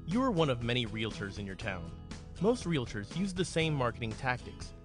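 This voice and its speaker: A man reading a scripted ad with a lively, salesy delivery. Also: mid-range voice, normal speed. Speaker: ad announcer. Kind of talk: scripted ad read. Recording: voice over clear music bed.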